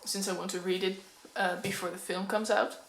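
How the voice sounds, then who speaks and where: Young Dutch-accented woman, casual book vlog to camera, candid and slightly nervous, mid-pitched voice, roomy echo. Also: level tone, a little fast, slight background noise. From Netherlands. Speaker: book vlogger. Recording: echoey room.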